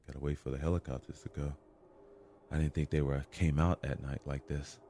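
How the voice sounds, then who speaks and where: A man's voice: rumbling low, flat delivery, normal speed, mellow, slight background noise. An actor playing a weary, wry, street-smart man surviving a deadly night, muttering and sighing through an audio drama monologue. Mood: wry, confiding.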